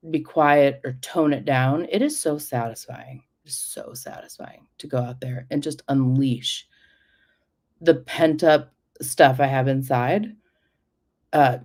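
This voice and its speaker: A woman's voice: extremely low pitch, dark tone. A woman hosting a casual livestream, rambling and chatty as she drifts from one topic to the next. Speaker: livestream host.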